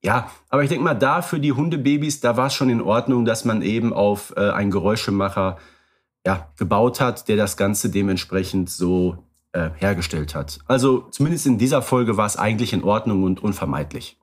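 A man co-hosting a podcast, chatting casually, relaxed and thinking aloud with frequent filler sounds. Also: on the low side, brisk. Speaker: podcast co-host.

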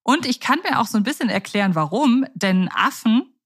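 A woman co-hosting a podcast in casual chat, talking in a lively, chatty way with quick laughs. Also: on the high side. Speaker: podcast co-host. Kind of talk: casual chat about radio plays.

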